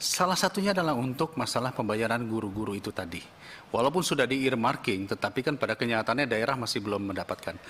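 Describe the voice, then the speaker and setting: A man speaks at a medium pitch and a very fast pace with lively intonation over light background noise. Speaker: member of parliament. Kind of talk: parliamentary speech. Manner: forceful. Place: meeting room. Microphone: podium.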